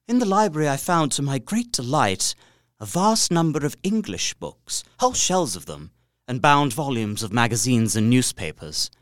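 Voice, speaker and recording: A man's voice: medium pitch, big pitch swings, moderate pace, dry recording, clean studio sound, natural voice. An actor playing a polite, observant and uneasy young solicitor, narrating his journal earnestly and precisely in a gothic audio drama. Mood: vexed, curious. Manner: precise, earnest, theatrical storytelling.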